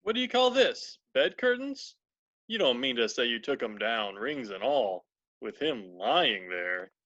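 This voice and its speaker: A man's voice: medium pitch, very animated, unhurried, a bit bright, highs cut off. A man playing a shrewd, grasping old rag-and-bone dealer in an amateur dramatised reading. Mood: incredulous. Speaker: library staff reader in a play.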